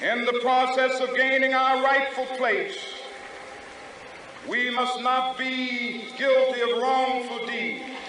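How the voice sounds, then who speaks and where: A man's extremely high, raised and projected voice with an American accent, monotone, flat intonation and a very slow pace, over noticeable background noise. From United States. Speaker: civil rights activist. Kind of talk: public speech to a large outdoor crowd. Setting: outdoors.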